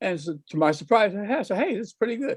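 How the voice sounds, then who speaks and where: With an American accent, a man speaks in dry, close sound with no echo. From Wisconsin, US Midwest. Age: 70s. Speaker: retired food inspector, gardener. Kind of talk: panel discussion. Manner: halting, repetitive.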